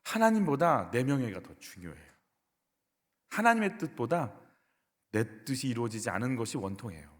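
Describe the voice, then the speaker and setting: A male pastor delivers a sermon in a church sanctuary, his pitch swinging widely and expressively. He presses his points with rhetorical questions to the congregation. The voice carries a long, echoing reverb from the hall. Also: very animated, normal speed, long pauses. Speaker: senior pastor.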